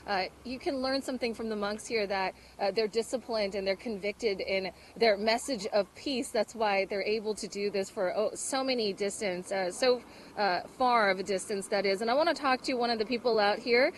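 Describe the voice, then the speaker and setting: A woman's voice: medium pitch, normal speed, slight background noise, poor audio. A woman field reporter giving a live news report from the street, talking loosely with fillers and restarts. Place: outdoors in the cold by a roadside crowd.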